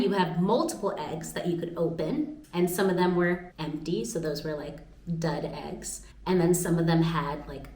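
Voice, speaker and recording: A young adult American woman narrating a personal vlog. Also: fairly low pitch. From United States, Atlanta, Georgia. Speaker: vlogger. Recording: roomy echo with music underneath.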